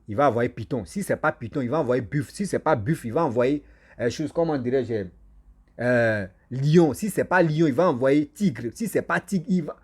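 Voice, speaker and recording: Husky-voiced man telling village tales. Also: fairly high pitch. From Africa. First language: a local African language. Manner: lively, repetitive, with frequent asides to the audience. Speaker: storyteller and channel host. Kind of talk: casual oral storytelling to viewers.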